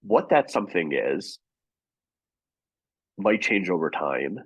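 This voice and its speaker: A deep-voiced man speaks from home over a video call. His tone is husky, and the sound is dry and close. He answers questions in a measured, thoughtful way, circling back and restarting his sentences. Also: sing-song, no echo, low-quality recording. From United States. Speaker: guest journalist.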